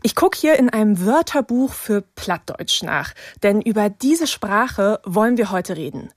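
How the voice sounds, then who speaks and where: A woman's voice: medium pitch, animated, unhurried, dry recording. A woman presents a children's radio show with a playful, inviting manner, drawing her guests out with questions. Her voice sits close and dry on the studio mic.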